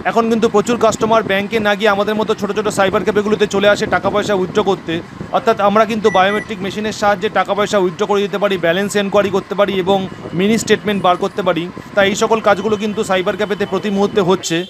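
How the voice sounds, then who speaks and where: A young Bengali-accented man talks very fast in a high voice, keeping his pitch fairly flat and even. He explains things in a brisk, instructive way. Faint street noise sits behind him. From West Bengal, India. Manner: brisk, instructive, addresses viewers as friends. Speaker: cyber cafe owner and channel host. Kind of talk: explanatory voice-over narration.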